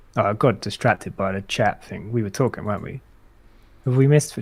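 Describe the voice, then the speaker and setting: Somewhat brisk, slightly breathy delivery with typical pitch movement. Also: man. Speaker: friend sharing lived experience of psychosis. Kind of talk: casual livestream conversation. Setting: livestream. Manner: relaxed. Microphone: good microphone.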